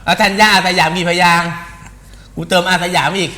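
A brash man trading gossip on a chat show. His voice is bright and sits a little high, and he talks in a teasing, profane way. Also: little pitch movement, brisk. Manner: brash, profane and teasing, slips into a sweet motherly put-on tone.

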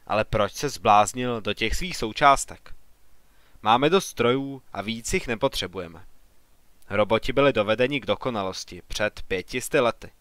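A man's voice: medium pitch, fairly bright tone, no room sound, close to an everyday voice. A man reading a scornful proud father. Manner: scornful, gruff. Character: older male artist, proud, dismissive father.

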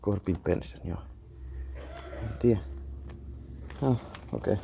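Young Finnish man, low and gravelly, mumbling half-whispered asides, noisy camera mic. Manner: mutters to himself, half-whispered asides, swears offhand. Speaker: vlogger browsing a flea market. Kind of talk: casual muttered commentary to camera. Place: indoor flea market.

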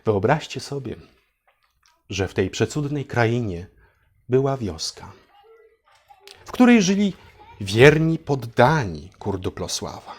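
Picture a man acting out a storybook propagandist with a medium-pitched male voice. He tells a satirical fairy tale very slowly, with mock solemnity and theatrical weight. He talks down to his little listeners sweetly while fawning over his ruler. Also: sing-song, slightly rough, heavily acted. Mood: hushed mock tenderness.

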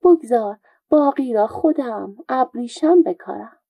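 A woman's voice: fairly high pitch, animated, gravelly, narrow, tinny audio, over music. A woman voicing a sly old male folk joker with a plaintive, mock-innocent manner. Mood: wry.

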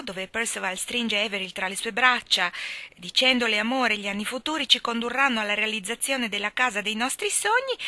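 Bubbly teen girl as a woman reads her, high and bright, gushing fast. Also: dry recording, heavily acted. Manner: eager, breathless, bubbly. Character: excited chatty teenage girl friend.

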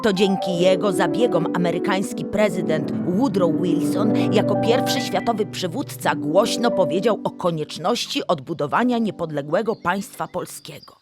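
A woman's voice: on the low side, normal speed, few pauses, over music, close to an everyday voice. A woman playing a friendly female cartoon animal who explains history in a children's audio drama, speaking with careful enunciation. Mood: explanatory.

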